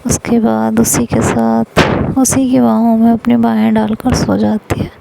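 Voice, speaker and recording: A woman's voice: a little high, flat delivery, measured pace, gravelly, dark tone, rough recording. A young woman telling a story, voicing the characters' dialogue in her own voice. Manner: reads the characters' quoted lines in her own voice.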